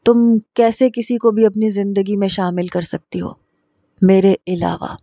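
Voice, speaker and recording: A woman's voice: mid-range voice, steady tone, mellow, no room sound, clean studio sound, lightly acted. A woman voicing an obsessive, jealous young man in a storybook reading, speaking in a heated, demanding way. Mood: obsessive, angry.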